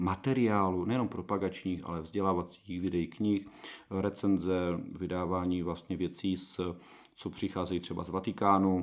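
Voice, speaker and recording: The recording is very clean, and the background is silent. This man's voice is very deep and low, moving at a moderate pace. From Czech Silesia, Opava district. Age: 40s. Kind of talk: interview.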